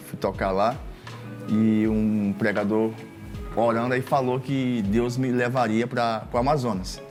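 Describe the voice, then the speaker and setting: A medium-pitched gospel singer from Maranhão, Brazil, tells his story as a guest in a casual testimony interview. He's relaxed in his storytelling, dropping words like "galera" and "cara."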